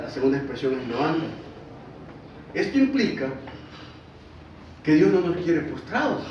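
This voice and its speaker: A pastor preaches conversationally and keeps asking his congregation questions. His voice sits a little high for a man. He is heard from well back in a large, strongly echoing church hall, and the sound is muffled. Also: darkish tone, a little hiss or hum. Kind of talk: sermon. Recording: distant echoey hall, dull sound.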